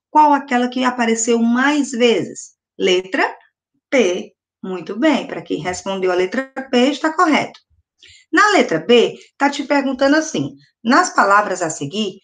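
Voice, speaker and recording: A middle-aged woman with a Brazilian accent and a slightly high voice leads a video lesson for young children. She speaks patiently, asks questions and answers them herself, and stretches words out slowly into syllables. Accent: Brazilian Portuguese. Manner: slow, sounding out words syllable by syllable. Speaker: primary school teacher. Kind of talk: recorded video lesson for first graders.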